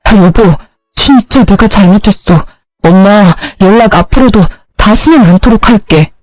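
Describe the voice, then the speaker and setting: A woman's voice: medium pitch, moderate pace, a little mellow, dry recording, soft background music, natural voice, rough recording. A woman voicing a remorseful young husband who pleads tearfully in a storybook narration. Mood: tearful pleading.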